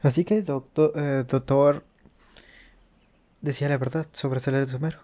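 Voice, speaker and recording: A man giving casual, halting commentary as host of a gaming video. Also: medium pitch, steady tone, warm tone.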